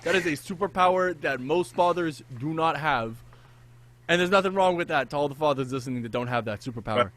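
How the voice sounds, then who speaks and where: A man with a slightly raised pitch hosts a casual sports podcast. He keeps the conversation friendly and chimes in with affirmations and laughter. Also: brisk. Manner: warmly affirming, laughs along. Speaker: podcast host. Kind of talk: casual interview.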